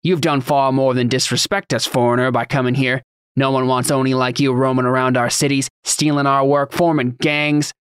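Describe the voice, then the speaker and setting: Man playing a mocking young hothead dockworker, louder. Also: medium pitch, level tone, moderate pace, clean tone, no room sound, clean studio sound, lightly acted. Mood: contemptuous. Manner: taunting, slangy, swaggering.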